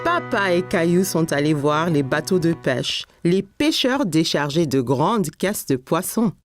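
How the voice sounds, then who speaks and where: A woman's voice: on the low side, animated, a little slow, soft background music. A woman narrator reading scripted story narration for a French children's cartoon.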